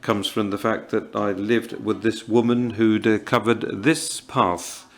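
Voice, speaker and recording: Moroccan guy in his 50s, lowish voice, slow halting panel talk with lots of uhs. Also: steady tone. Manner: halting, many fillers, earnest. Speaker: invited writer speaking on a panel. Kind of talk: reflective festival panel talk.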